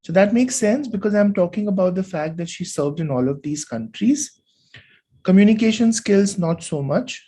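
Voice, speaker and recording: A tutor reads a test passage aloud and explains which answer is right, reasoning it through and checking in with "right?" now and then. The voice is medium in pitch, dark in tone, with a breathy edge.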